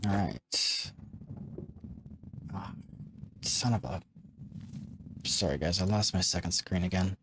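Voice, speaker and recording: A man's voice: low voice, slow, pauses often, background noise. A man hosting a video game play-through, chatting casually and reading the game's text aloud.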